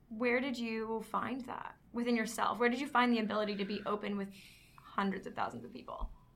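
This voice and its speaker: Against noticeable background noise, a woman's rather high voice keeps mostly level intonation. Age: 20s. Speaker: podcast host. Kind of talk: casual interview.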